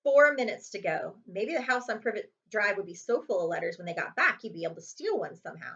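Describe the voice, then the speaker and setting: A woman reads a children's chapter book aloud with lots of expression. Her pitch moves around in a very lively way. The recording is slightly dull and lo-fi. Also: fast talker. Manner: expressive storytelling with character voices. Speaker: librarian reading aloud.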